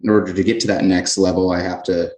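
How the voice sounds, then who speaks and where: A man with a North Dakota accent speaks in a low register, with audible room echo around him. He talks casually as an interviewee, pausing and repeating himself as he forms his answers. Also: level tone, darkish tone. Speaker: interview guest, business owner. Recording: roomy, echoey sound.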